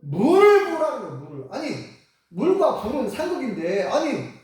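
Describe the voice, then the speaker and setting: Lively woman preacher, storytelling sermon, voice swinging up and down, recorded from far back in a very echoey church. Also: sits high, normal speed. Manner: animated, asks the congregation questions, acts out quotes. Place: church sanctuary.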